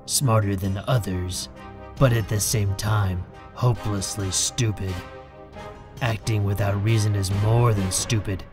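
A man's voice: lowish voice, fairly even intonation, measured pace, music in the background, close to an everyday voice. A man playing a cold, proud, defiant hero in an audio drama, speaking with curt, controlled contempt. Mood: contemptuous. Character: cold, proud, defiant man guarding his younger brother. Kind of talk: fan audio drama acting.

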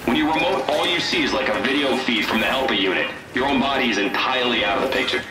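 An actor playing a sarcastic, irritable worker trapped in a robot in a video game. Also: male voice, mid-range voice, fast talker, lightly acted. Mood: irritated. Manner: sarcastic, exasperated. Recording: echoey, loud music underneath.

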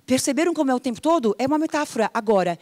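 A middle-aged woman coach, giving an animated motivational talk and acting out everyday complaints. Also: sits high, dry recording, studio quality. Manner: animated, acts out complaints in quick mock voices. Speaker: coach and teacher.

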